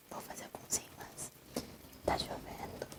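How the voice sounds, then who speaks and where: Noticeable background noise sits behind a woman who is whispering. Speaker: ASMR creator. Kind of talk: ASMR soft-spoken chat while crafting. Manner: soft-spoken, calm, relaxed.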